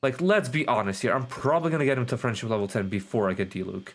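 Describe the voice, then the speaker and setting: A man's voice: medium pitch, quick pace, soft background music. Rambling male game streamer. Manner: rambling, repeats himself, casual swearing. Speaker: game livestreamer. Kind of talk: casual live gameplay commentary.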